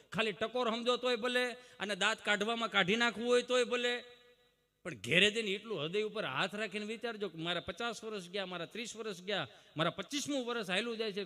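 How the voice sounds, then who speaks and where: A man tells folk comedy stories from a stage, high-voiced and very bright. He lectures his audience in a folksy, preachy way and breaks into mock shouts. His voice rings with a long hall reverb. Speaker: comic storyteller.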